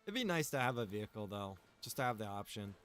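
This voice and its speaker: A man's voice: lowish voice, very animated, fast, fairly bright tone, faint music behind. A man chatting casually and thinking aloud as he hosts a gaming livestream. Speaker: livestream host, gamer.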